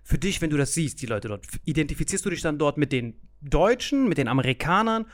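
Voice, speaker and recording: A man's voice: on the high side, big pitch swings, fast. A young man co-hosting a podcast, chatting casually and joking with frequent laughter and slangy asides. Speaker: podcast co-host.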